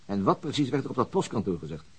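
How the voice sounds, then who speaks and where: A man acting a terse, evasive police detective in a radio play, measured and noncommittal. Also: mid-range voice, sing-song, a little mellow, husky. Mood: analytical. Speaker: actor in a radio drama. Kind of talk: naturalistic radio play dialogue.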